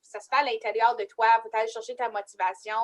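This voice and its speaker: A woman's voice: fairly high pitch, steady tone, quick pace. A woman moderating a casual panel discussion. She speaks emphatically and repeats her key phrases.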